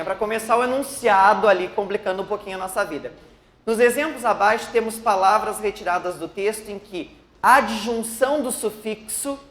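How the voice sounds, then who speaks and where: A woman's voice: mid-range voice, roomy sound. A woman teaching Portuguese for a public exam, walking students through each question and asking them to answer. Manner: explains step by step, asks students questions. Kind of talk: exam-prep lesson.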